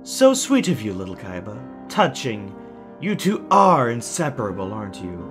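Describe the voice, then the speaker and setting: Unhinged gentleman villain, highly animated swoops, mock-sweet formality, menacing, audio drama with music behind. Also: moderate pace. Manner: mocking, formal, savoring his words. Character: deranged, genteel villain captor, theatrically sweet and menacing.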